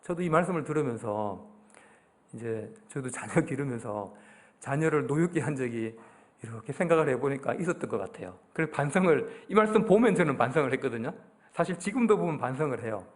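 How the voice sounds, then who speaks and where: A middle-aged man with a Gyeongsang accent preaching a conversational sermon to his congregation, often putting questions to them. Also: a little high. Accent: Daegu Gyeongsang Korean. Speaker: pastor. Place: church sanctuary.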